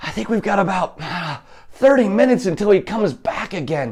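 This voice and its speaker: This is a put-on character voice. It sounds strained. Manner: strained, urgent.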